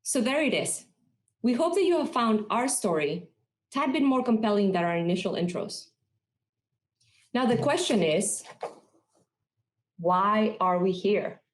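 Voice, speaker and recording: A woman from Peru delivers a prepared conference talk, measured and earnest as she tells her story. Her voice sits in a middle register, and the recording carries a noticeable roomy echo. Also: medium pitch, lively intonation. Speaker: conference speaker.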